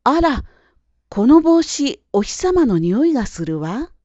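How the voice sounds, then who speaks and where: A woman's voice: high-pitched, very animated, mellow, no echo, dull audio, pitched above the performer's own voice, exaggerated voice. A woman voicing a caring but nagging mother in a storybook reading. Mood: fussing. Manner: brisk, nagging tone.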